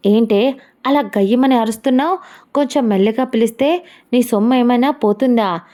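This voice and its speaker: A woman's voice: a little high, moderate pace, dark tone, lightly acted. A woman voicing a middle-aged mother who talks in a scolding, protective way. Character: middle-aged mother, caring but stern.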